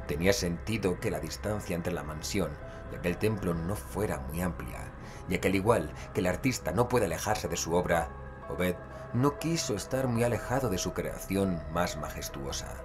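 A man's voice: low-pitched, expressive, normal speed, music in the background. A man playing a skeptical investigator who narrates and speaks in a horror audio drama. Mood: grave, ominous.

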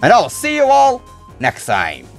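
A man's voice: very high-pitched, wildly swooping pitch, a little slow, gravelly, soft background music. A man giving casual, informal reaction commentary as a video creator, thinking aloud as he goes.

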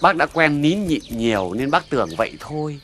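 Sly village gossip. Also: female voice, deep voice, lively intonation, moderate pace. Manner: sly, needling, proverb-quoting. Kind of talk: TV drama acting.

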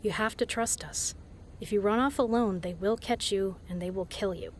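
A woman acting as a tough female spy with a mid-pitched voice. She is brisk and commanding with a caring side, played in the intimate manner of an audio drama. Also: close to an everyday voice. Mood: firm, reassuring.

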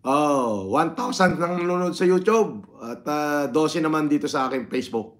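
A middle-aged man with a Filipino accent chatting casually on a livestream, greeting viewers in a drawn-out way with many pauses and interjections. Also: fairly high pitch. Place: indoor room with framed painting. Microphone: phone propped at arm's length.

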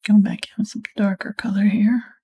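A woman teaching a live painting tutorial, talking mostly in a soft whisper as she paints. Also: mid-range voice, flat delivery, moderate pace, husky. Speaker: painting instructor.

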